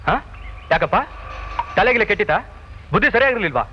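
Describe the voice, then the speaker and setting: An actor playing a frustrated, quick-tempered young man without work. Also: high-pitched, lively intonation, slight background noise. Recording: dull old film soundtrack with music.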